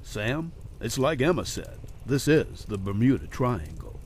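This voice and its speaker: A man voicing a steady, commanding man calming a companion in a horror story reading. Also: medium pitch, unhurried, slight background noise. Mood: firm, reassuring.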